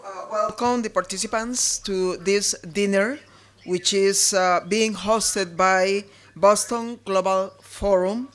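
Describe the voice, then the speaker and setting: A woman moderating a formal dinner, introducing speakers with slow, careful speech and brief hesitations. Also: medium pitch, steady tone, faint music behind. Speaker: event moderator.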